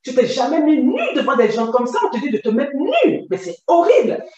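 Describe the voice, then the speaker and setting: A woman giving an emotional personal testimony, halting and pained, often rising to near shouts. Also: sits high, very animated, lo-fi sound. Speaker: testimony guest. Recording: echoey room, far from the mic.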